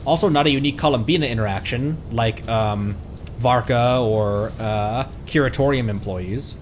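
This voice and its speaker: A man's voice: medium pitch, moderate pace, a little hiss or hum. A man streaming a video game, chatting casually and thinking aloud as he plays. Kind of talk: casual livestream game commentary. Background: faint game music.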